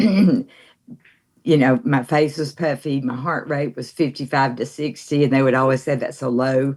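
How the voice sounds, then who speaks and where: A woman's very deep, low voice at a fairly slow pace, with fairly even intonation. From southwest Arkansas. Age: 70s. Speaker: insurance agent. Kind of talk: interview testimony.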